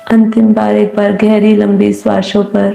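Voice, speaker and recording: A woman guiding a meditation in a soothing, unhurried manner with long pauses. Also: medium pitch, monotone, vocal fry, warm tone. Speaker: meditation guide. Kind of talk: guided meditation, slow calm instruction. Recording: roomy echo. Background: faint music.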